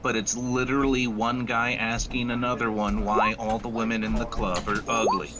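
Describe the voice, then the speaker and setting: A man's voice: mid-range voice, level tone, normal speed. A talkative, wry man chatting casually as a player on an online call. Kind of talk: casual chat over a voice call. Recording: muffled lo-fi online call with noise.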